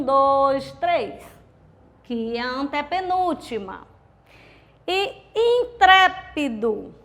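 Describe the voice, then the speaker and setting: A woman with a Brazilian accent teaches a grammar lesson in a high, clear voice. She explains step by step, drawing words out and counting syllables aloud. She keeps asking the class rhetorical questions. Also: a bit bright. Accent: Brazilian Portuguese. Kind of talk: recorded grammar video lesson.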